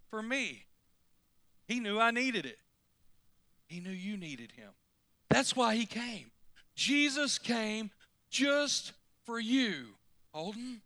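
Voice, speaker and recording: A male pastor preaching a folksy, animated sermon, often climbing suddenly to loud emphasis. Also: high-pitched, no room sound.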